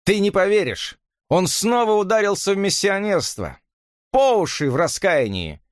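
A man reading an audiobook and voicing an excitable, emotional male friend in a high, loud voice. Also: moderate pace, dry recording, clean studio sound. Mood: scornful.

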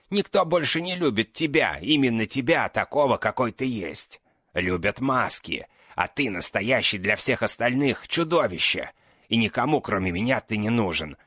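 A man's voice: fairly low pitch, sharp tone, dry recording, clean studio sound, voice pushed up, full character voice. A man voicing a desperate aging magister who pleads with his former pupil. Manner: pleading, rising to outbursts.

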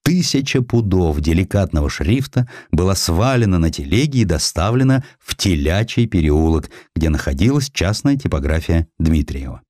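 A man reading scripted narration as an audiobook storyteller, expressive and dramatized in his delivery. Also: sits low, normal speed, hardly any pauses, dry recording, clean studio sound. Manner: expressive storytelling with acted dialogue.

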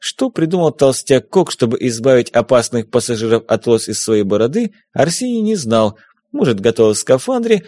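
A man narrating an audiobook in an expressive storytelling manner. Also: mid-range voice, dry recording. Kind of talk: scripted narration.

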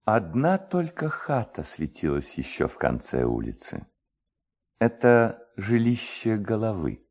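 A man narrating a literary tale in an expressive storytelling style. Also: fairly low pitch, measured pace.

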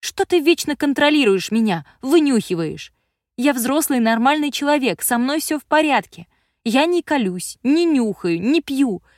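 A woman's voice: big pitch swings, moderate pace, dry recording, studio quality. Woman playing a defiant resentful teenage daughter. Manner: indignant, accusing, higher than her narration.

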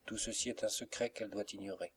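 A man reading the lines of a gentle, mysterious young suitor in an audiobook, in a soft, respectful, reassuring manner. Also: lowish voice, fairly even intonation, quick pace, a little hiss or hum, close to an everyday voice. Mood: secretive.

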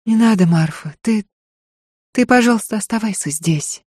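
Brief: quiet, restrained young woman singer, resolute, voiced by a woman narrator, dry close sound. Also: mid-range voice, normal speed, slightly rough, no echo, pitched above the performer's own voice, close to an everyday voice. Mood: soft resolute.

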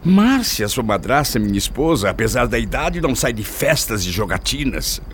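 An actor playing an embittered, self-pitying middle-aged father in a Brazilian radio melodrama, theatrical and anguished, moving between hushed confiding and outbursts. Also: medium pitch, sing-song, moderate pace, slight background noise. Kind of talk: melodramatic radio play acting.

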